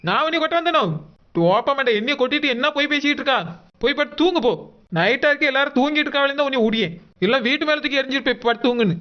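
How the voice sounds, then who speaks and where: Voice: high voice, rapid-fire, highs cut off, lightly acted. A performer voicing a quarrelsome, scolding village woman in a cartoon, combative, with a southern Tamil Nadu accent. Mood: scolding, accusing. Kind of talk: Tamil cartoon character dialogue.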